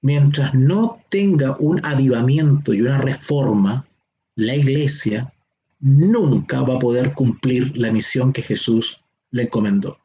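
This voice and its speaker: A man with a Chilean accent teaching a Bible seminar online. He explains slowly, stretches key words and keeps checking that his listeners follow. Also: mid-range voice, warm tone, muffled recording, slight background noise. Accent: Chilean Spanish. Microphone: online class or teleconference.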